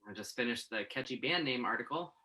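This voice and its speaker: A man's voice: medium pitch, animated, fast, sharp tone. A man acting in a play reading as a self-doubting, sardonic entertainment journalist who puts himself down. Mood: glum.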